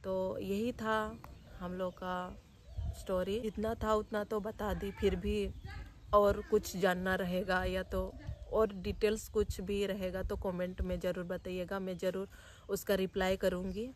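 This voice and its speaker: A young woman vlogger talking quietly and sadly, standing outdoors near family graves. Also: mid-range voice, little pitch movement. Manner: subdued, grieving, speaks slowly and softly. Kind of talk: personal vlog talk.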